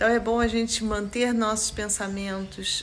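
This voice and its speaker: A woman's very slow, monotone, flat delivery amid noticeable background noise. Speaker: spiritual vlogger. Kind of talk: casual vlog chat. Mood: calm, reflective, warning. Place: empty room. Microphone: phone near.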